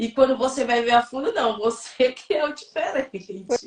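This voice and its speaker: With lively intonation, a woman with a high pitch speaks at a moderate pace. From Northeast Brazil, Recife, Pernambuco. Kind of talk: live interview conversation. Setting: online live stream.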